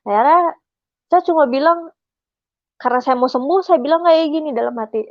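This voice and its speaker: Young woman, higher voice, halting emotional testimony with pauses, dull lo-fi dry recording. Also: no echo. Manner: halting, many pauses and fillers, emotional retelling. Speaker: convert giving a testimony. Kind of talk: personal testimony, casual retelling.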